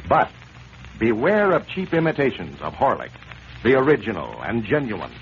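A man announcing on a 1930s radio show, with a smooth, emphatic sales delivery and a recap of the story. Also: medium pitch, huge pitch swings, normal speed. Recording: old lo-fi radio transcription with hiss.

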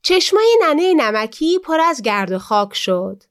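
A woman narrates a storybook tale in a slightly high voice, slow and expressive. She tells it steadily for young listeners, giving weight to each scene.

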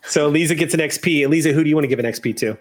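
A man's voice: on the high side, very fast. A man speaking as game master, chatting casually and praising his players effusively as he wraps up a tabletop game. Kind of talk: casual wrap-up talk after a tabletop game.

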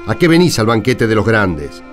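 A man's voice: on the low side, sing-song, moderate pace, faint music behind. A man playing a haughty priest in a religious radio play, mocking and contemptuous. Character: haughty, scornful priest at a banquet of the powerful.

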